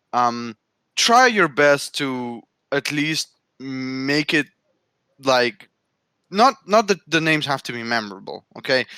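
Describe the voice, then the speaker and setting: A man with a non-native accent and a fairly high pitch speaks at a very slow pace, with long, frequent pauses. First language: not English. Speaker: book discussion podcast host. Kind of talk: casual group discussion. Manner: halting, many repetitions.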